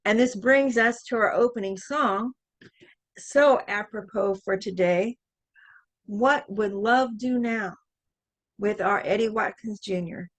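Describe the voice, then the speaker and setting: Woman minister praying slow and steady, kind of chanting it. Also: medium pitch, rough recording. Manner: slow, deliberate, incantatory. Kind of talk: spoken affirmative prayer.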